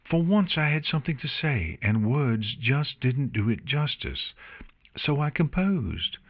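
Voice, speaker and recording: A man voicing a brooding, intense female pony musician in an audiobook, with a scowling, deliberate manner. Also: mid-range voice, sing-song, pitched above the performer's own voice. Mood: brooding determination.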